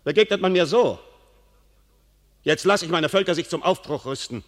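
An actor playing a proud, easily offended Burgundian duke in a classical verse radio play, declaiming with indignation. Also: male voice, on the high side, moderate pace, close to an everyday voice. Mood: indignant. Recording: long reverberant hall sound.

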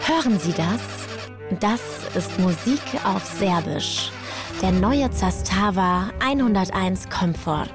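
Actress for nostalgic car-ad announcer, female, grand sales delivery, medium pitch over prominent music. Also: natural voice. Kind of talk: scripted radio commercial narration. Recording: music behind the voice.

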